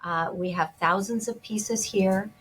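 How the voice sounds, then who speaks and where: A woman's voice: mid-range voice, a little slow, fairly bright tone, a little hiss or hum, poor audio. A woman gemologist and jewelry designer speaking as an interview guest, enthusiastic and often restarting her sentences.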